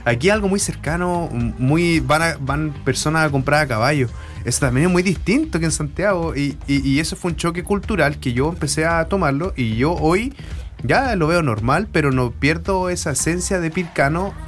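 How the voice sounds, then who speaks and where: A man with a Chilean accent speaks as a guest on a local talk show in a fairly high voice. He talks in a relaxed, halting way and often restarts his sentences. Faint music plays underneath. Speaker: local business owner guest. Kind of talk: casual interview talk.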